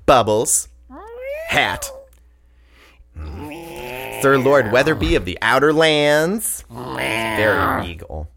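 A man's voice: medium pitch, vocal fry, exaggerated voice. A man voicing an eccentric middle-aged woman who collects cats, cooing and gushing in a comic audio drama. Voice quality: gushing, sing-song cooing. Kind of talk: comedic audio drama acting.

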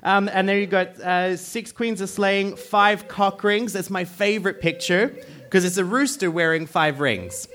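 Man, thirties, slightly high voice, animated comedy chat, frequent laughter, stage mic. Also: measured pace. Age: 30s. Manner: animated, laughs often, bursts of higher pitch. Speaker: podcast co-host. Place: live stage with audience. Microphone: stage microphone.

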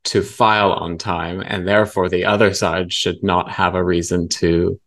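A man's voice: low voice, level tone, normal speed, a bit bright. A man hosting a legal podcast, talking in a thoughtful, hesitant way that trails off and restarts. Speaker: podcast host. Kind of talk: casual professional chat.

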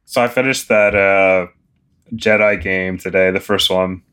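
A young man co-hosting a casual podcast, dry and deadpan, precise about small details. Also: sits low, measured pace, clean tone. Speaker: podcast co-host. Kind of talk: casual chat.

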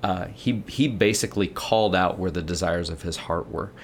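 Guy w a lowish voice chatting about faith, animated storyteller, slight hiss behind. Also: moderate pace. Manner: animated storyteller, acts out quotes. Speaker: podcast co-host. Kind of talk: casual faith discussion.

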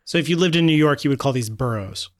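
A man of middling pitch talks as a podcast co-host. His delivery is informal and conversational, curious about what the others think. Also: fast. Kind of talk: casual inquisitive chat.

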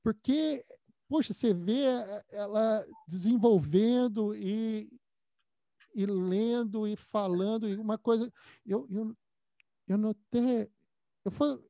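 A man's voice: high voice, slow, creaky, warm tone, no room sound. A man interviewing a guest in casual conversation, often repeating words while he thinks.

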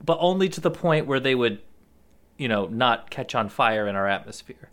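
A man in casual comedic chat, questioning the others in a skeptical, deliberate way. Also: mid-range voice, expressive, a bit bright.

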